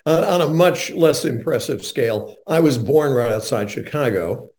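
Earnest older male radio host, mellow tone. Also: mid-range voice, moderate pace. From North Carolina, USA. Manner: earnest, animated storyteller.

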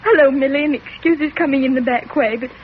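A woman voicing a terrified young daughter, her voice trembling and tearful. It sits very high. The sound is thin and tinny with a faint hiss, like an old radio broadcast heard down a line. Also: fast talker, lightly acted. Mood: shaken. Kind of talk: 1940s radio drama acting.

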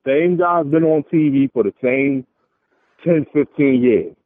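Male caller, Brooklyn accent, casual fan talk, mid pitch, tinny phone connection. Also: unhurried, dry recording. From Brooklyn, New York. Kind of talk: casual sports fan chat. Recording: narrow tinny phone line.

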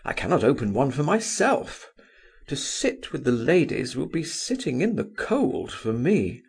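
A man voicing a proud, courtly gentleman suitor with formal manners in an audiobook novel. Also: mid-range voice, very animated, measured pace, gravelly, breathy edge, full character voice. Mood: aggrieved.

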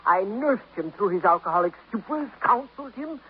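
An actor playing a stern middle-aged literary critic in a 1950s radio drama, speaking in a precise, lofty and contemptuous manner. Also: male voice, high voice, expressive, normal speed. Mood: bitter. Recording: dull old radio broadcast with faint hiss.

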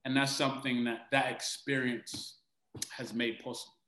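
A British man speaks as an interview guest, earnest and reflective, often pausing to restart a thought. His voice is bright and forward. The room around him is noticeably echoey. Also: medium pitch, level tone. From Britain. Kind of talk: conversational interview answers.

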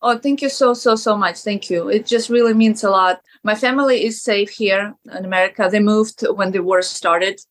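A woman from Ukraine with a Ukrainian accent, an actress telling lively stories in an interview, often saying "like". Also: mid-range voice, moderate pace, few pauses. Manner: lively storyteller, laughs often, many "like"s. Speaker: actress, guest. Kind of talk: casual interview.

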